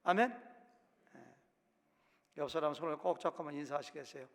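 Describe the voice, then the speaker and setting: Animated Korean pastor with a Chungcheong accent. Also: male voice, fairly high pitch, fairly quick. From Korea, Chungcheong province. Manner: animated, acts out quotes in shifting voices. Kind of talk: sermon. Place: church sanctuary. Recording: long hall reverb.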